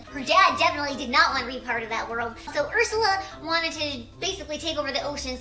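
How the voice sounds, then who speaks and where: Young female vlogger on helium: squeaky, bright, giggly, rambling playful retelling, echoey room. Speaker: video creator. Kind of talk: playful challenge vlog retelling film plots.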